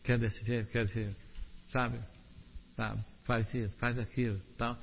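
A man preaching a sermon, animated, asking the congregation rhetorical questions. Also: medium pitch, a little slow, slightly rough, big-room sound, dull audio.

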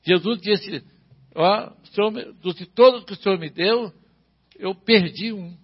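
High husky male preacher. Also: measured pace, highs cut off. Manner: preaching with repeated rhetorical questions. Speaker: pastor. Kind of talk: sermon.

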